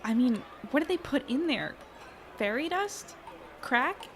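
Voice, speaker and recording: A friendly young woman in an audio drama, talkative and a little wry. Her voice is fairly high and natural, over faint background ambience. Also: animated, a little slow, crowd noise, background noise. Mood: wry, playful.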